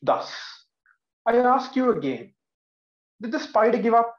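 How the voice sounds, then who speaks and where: A young Sri Lankan man in his twenties, a speech contestant, delivers an earnest, emphatic prepared speech in his living room, gesturing with both hands. His voice is very high-pitched with big pitch swings and a slightly slow pace. He wears headphones while a laptop camera across the echoey room picks him up with dull, lo-fi sound.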